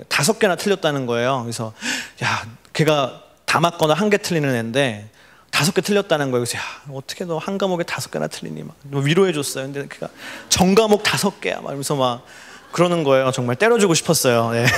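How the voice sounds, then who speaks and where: A young adult man preaching a sermon to college students, telling stories with animation and having the congregation repeat words after him. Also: fairly high pitch. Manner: animated storytelling, leads the congregation in call-and-response. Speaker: pastor.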